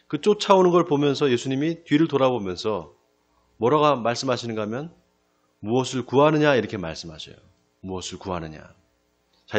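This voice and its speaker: Male pastor preaching, lively up-and-down delivery, drops quiet at the ends, faint music behind him. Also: medium pitch, muffled recording. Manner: lively preaching, rising then dropping to a quiet close; asks the congregation questions and answers them himself. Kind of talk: sermon. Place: church sanctuary.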